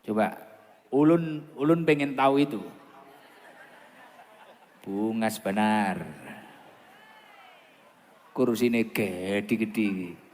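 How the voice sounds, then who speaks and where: Javanese preacher man in booming reverb. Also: very slow, pauses often, darkish tone, a faint crowd, slight background noise. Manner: chatty, bantering, repeats phrases. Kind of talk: informal sermon with asides to the crowd. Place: large outdoor gathering, over loudspeakers. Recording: long booming reverb of an outdoor PA.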